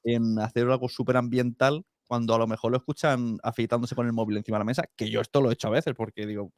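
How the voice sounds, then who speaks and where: A man's voice: mid-range voice, steady tone, quick pace, no echo, studio quality. A man with a Castilian accent from Spain chats informally on a podcast, acting out little imagined remarks to make his points. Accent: Castilian Spanish from Spain. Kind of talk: casual podcast conversation.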